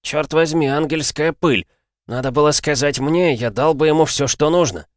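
A man's voice: fairly high pitch, normal speed, dry recording, studio quality, voice pushed up, lightly acted. A man doing a smarmy, ingratiating dealer. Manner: smooth, ingratiating.

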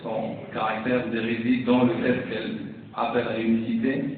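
A man's voice: mid-range voice, monotone, moderate pace, a little hiss or hum. A man interpreting a sermon phrase by phrase, sometimes restarting as he searches for the words. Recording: tinny, echoey hall from far off.

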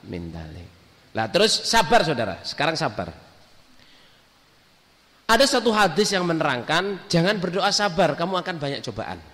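Bright-voiced male preacher in a hall. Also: mid-range voice. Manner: storytelling sermon mixing in English, acting out quotes. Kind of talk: sermon. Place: mosque or prayer hall with a congregation. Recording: hall reverb.

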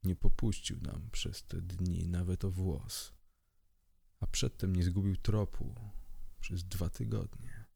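A man voicing a stern old male werewolf pack leader, calm and commanding in an audiobook. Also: low-pitched, slow, vocal fry, breathy edge, heavily acted.

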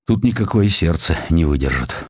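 An eloquent male defense lawyer acted by a male narrator delivers moral oratory with emphatic, drawn-out key words. The voice is low and animated, dry and close as in an audiobook drama. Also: husky, no echo. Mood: troubled, reflective.

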